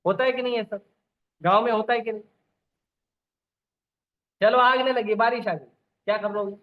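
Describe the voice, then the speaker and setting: A man's voice: sits high, fairly even intonation, normal speed, muffled recording. A man giving a lecture on scripture, asking the audience rhetorical questions and repeating lists of examples. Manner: repetitive listing. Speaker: preacher. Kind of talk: Gita lecture.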